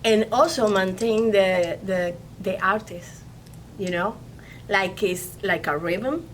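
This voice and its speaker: Speaking in a mid-range voice against slight background noise, a Spanish-speaking woman from Venezuela chats casually in a studio about producing films. She stops and starts often, repeating words as she works through her English.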